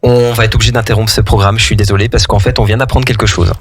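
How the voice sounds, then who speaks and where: A man's voice: lowish voice, fairly even intonation, fast, husky. A man hosting a radio show in a jokey tone, laughing often and stumbling over names. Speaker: radio host. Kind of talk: joking radio chat. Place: radio studio.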